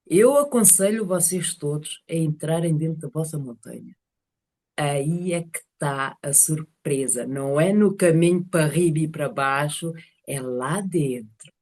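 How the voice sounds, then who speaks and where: A woman telling casual personal stories to a group on a video call, animated and often searching for words. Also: low voice, a little slow. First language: Portuguese is one of several languages spoken.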